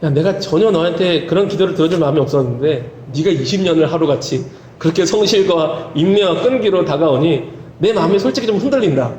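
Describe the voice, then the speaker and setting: A man's voice: fairly high pitch, lively intonation, fast talker, a little mellow, a little hiss or hum, close to an everyday voice. A man voicing God speaking plainly to a persistent believer in a casual, wry way. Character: God, patient fatherly voice, wryly teasing. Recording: roomy church hall, faint ambience.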